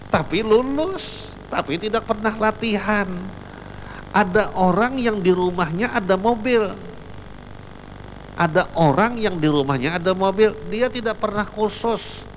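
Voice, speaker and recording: A man's voice: on the high side, a little hiss or hum, low-quality recording. A man giving a religious lecture, emphatic and repetitive as he tells everyday anecdotes. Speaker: preacher.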